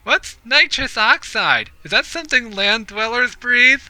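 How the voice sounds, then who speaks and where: A man's voice: very high-pitched, animated, a little slow, sharp tone, no room sound, voice pushed up, heavily acted, poor audio. A man voicing a prim, proper young mermaid woman who speaks formally, politely and naively. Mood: prim, eager.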